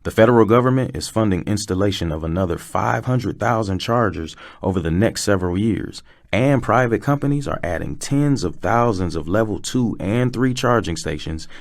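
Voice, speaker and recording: A man's voice: on the low side, expressive, normal speed, few pauses, no room sound, studio quality. A man voicing a knowledgeable, patient car technician in a conversational scripted explainer. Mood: explaining, assured. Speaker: voice actor in a promotional dialogue.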